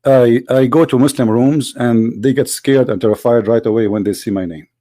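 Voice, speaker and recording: A man's voice: mid-range voice, moderate pace, mellow, no room sound, studio quality. Tired-voiced man, hesitant commentary. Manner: hesitant, many filler sounds and throat clearing. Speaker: video host. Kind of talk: casual commentary to camera.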